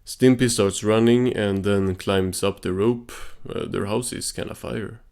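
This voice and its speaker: Deep-voiced man doing casual deadpan recaps. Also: measured pace, vocal fry, clean tone. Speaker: cartoon recap host.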